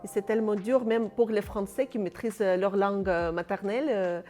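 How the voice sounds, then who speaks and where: A woman's voice: mid-range voice, steady tone, brisk, a little mellow, soft background music. Woman with a Russian accent. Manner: simple, direct non-native phrasing. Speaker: guest. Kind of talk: casual interview chat.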